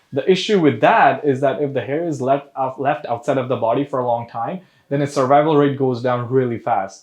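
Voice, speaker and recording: With an American accent, this man has a normal speaking voice, a fairly high pitch, ordinary pitch variation and a fairly quick pace. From US Midwest, Chicago, Gujarati family. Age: 20s. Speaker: hair transplant patient. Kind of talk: testimonial interview. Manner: casual with frequent uh fillers.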